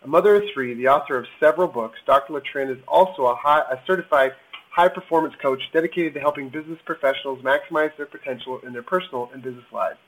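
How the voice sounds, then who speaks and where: Male podcast host, upbeat and eager, rapid speech, slightly high pitch. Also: fairly bright tone, a little hiss or hum, rough recording. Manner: upbeat, eager and quick-talking. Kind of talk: podcast interview and promo outro.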